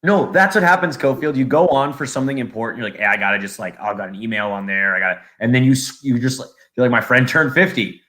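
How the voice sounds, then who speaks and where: A man's voice: medium pitch, expressive, fast, few pauses, sharp tone. A young man with a Southern California accent, a play-by-play announcer chatting on a podcast, rambling with lots of fillers and restarts. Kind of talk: casual podcast chat.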